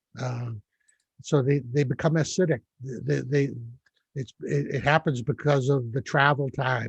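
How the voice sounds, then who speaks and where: A man talks fairly slowly at a medium pitch, his voice somewhat breathy. The sound is dry and close, with no echo. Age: 60s. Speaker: online challenge host, business founder. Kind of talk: online workshop talk. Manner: halting, many fillers.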